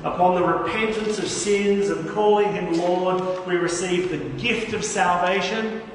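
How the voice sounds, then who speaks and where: A higher-voiced man preaches earnestly, leaning on key words with a slower pace. His voice comes from a distance and rings through a big reverberant church hall, with faint room noise underneath. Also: steady tone. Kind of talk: sermon. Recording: echoey hall, voice from far off.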